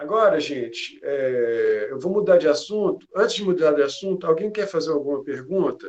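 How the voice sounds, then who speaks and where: A man's normal speaking voice, fairly high in pitch, with lively intonation, a moderate pace and hardly any pauses. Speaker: clowning workshop teacher. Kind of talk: online workshop lecture.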